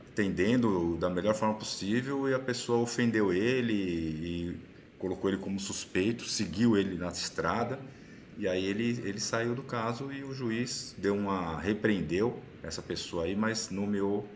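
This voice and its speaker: A man's voice: fairly low pitch, moderate pace, slight background noise. A man hosting a casual live-stream chat on a video call, explaining things at length and often checking in with his listeners. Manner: explanatory, often ending sentences with "né?". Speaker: host and course instructor.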